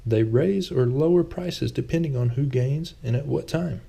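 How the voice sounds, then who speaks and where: A man's voice: mid-range voice, normal speed, vocal fry, mellow, slightly rough, pitched above the performer's own voice. A man voicing a friendly, well-off jeweler who used to be a swordsman, explaining things affably and a little defensively in a fantasy audiobook. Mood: earnest, explaining.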